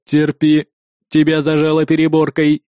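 A man reading an audiobook who voices a calm, terse male combat android, speaking in a cold and measured way. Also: on the high side, smooth, no room sound, studio quality. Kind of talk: audiobook character voice.

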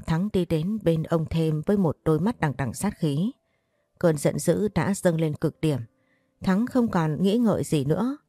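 A woman narrating a dramatic story in a steady, dramatic storytelling manner. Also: low-pitched, dry recording. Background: faint music.

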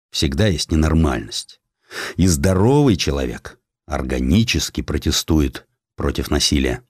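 A man narrates a historical essay as an audiobook. His voice sits low, and his delivery is measured and grave, like serious dramatic storytelling. The sound is dry, with very little room in it. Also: darkish tone, dry recording.

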